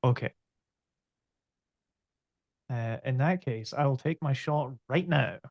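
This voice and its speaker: A man casually explaining his moves as a player in a tabletop game, in a halting way. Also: mid-range voice, gravelly, no echo, muffled recording.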